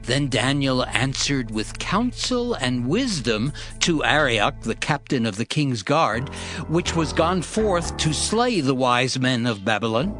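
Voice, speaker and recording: A man narrating scripture from a script in a solemn, measured, dramatic style, with music behind him. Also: medium pitch, very animated, fairly bright tone.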